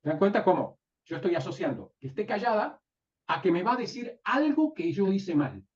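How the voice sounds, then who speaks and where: A man teaching a live class, often pausing to ask his students whether they follow. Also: sits high, big pitch swings, darkish tone. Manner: asks the class frequent checking questions. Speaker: NLP teacher. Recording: distant, dull lo-fi room recording.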